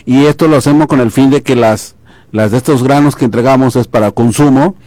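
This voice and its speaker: A middle-aged man from Oaxaca whose first language is Triqui, speaking as a guest in a radio studio booth, halting with many restarts. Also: medium pitch, dark tone, no echo. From Oaxaca, Mexico. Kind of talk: casual interview talk.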